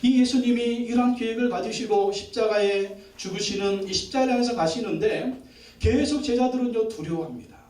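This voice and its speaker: A pastor's fairly high voice carries through a reverberant church sanctuary, picked up from a distant microphone. He preaches a Sunday sermon and builds toward emphatic, repeated declarations. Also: moderate pace, darkish tone, faint music behind. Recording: echoey church hall, voice from a distant mic.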